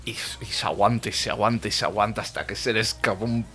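A man co-hosting a radio comedy show, telling jokes that build slowly with repetition. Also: on the low side, pushed and bright, faint music behind.

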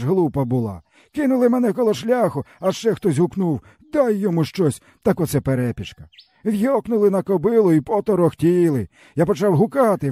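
A man's voice: fairly high pitch, mellow, no room sound, pitched above the performer's own voice. A man voicing a starving, bitter older peasant man who speaks in a plaintive, sighing, folksy way. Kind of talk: audiobook character voice.

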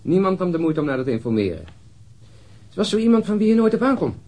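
An actor playing a blunt, grumbling police colleague in a radio drama, wry and informal. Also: male voice, high voice, very animated, quick pace, mellow. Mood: reporting, disgruntled. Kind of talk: radio drama acting, naturalistic.

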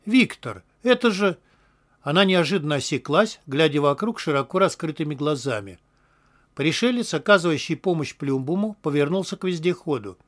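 A man reading an audiobook as narrator, in a steady, measured way. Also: fairly high pitch. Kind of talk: scripted narration.

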